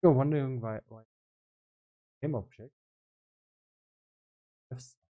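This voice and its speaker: A man giving casual live-stream commentary as a game developer, explaining his work in halting fragments as he thinks aloud. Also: medium pitch, narrow, tinny audio.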